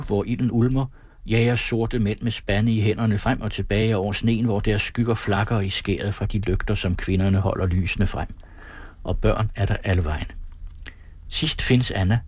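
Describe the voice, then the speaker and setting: A man reading a novel aloud as an audiobook narrator, calm and measured in his storytelling. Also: fairly low pitch, slightly rough, dry recording. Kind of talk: scripted narration.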